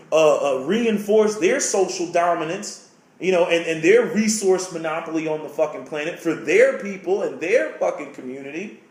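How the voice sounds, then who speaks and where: A man giving a heated, profane opinion rant as a vlogger, speaking in an animated way. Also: sits high. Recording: roomy echo.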